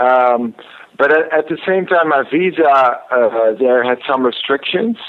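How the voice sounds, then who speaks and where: A man at a medium pitch, with ordinary pitch variation, a moderate pace and noticeable background noise. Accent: Dutch. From Netherlands. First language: Dutch. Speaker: actor. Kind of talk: radio interview. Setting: phone call.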